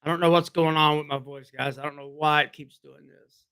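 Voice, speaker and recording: High-voiced man losing his voice. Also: flat delivery, fairly quick, bright, forceful tone, clean tone. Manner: rambling, repeats himself. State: losing his voice, throat-clearing. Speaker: livestream host. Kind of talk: casual livestream talk to viewers.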